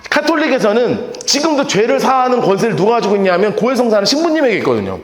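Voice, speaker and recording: A man preaching a Bible-study sermon who keeps questioning his congregation and joking with them. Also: extremely high pitch. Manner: asks the congregation frequent call-and-response questions; animated and joking. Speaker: pastor. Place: church sanctuary. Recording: echoey church hall reverb.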